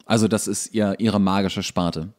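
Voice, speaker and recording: A man co-hosting a podcast, casually recapping a story in a halting, stop-and-start way. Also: lowish voice, steady tone, a little mellow. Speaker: podcast co-host.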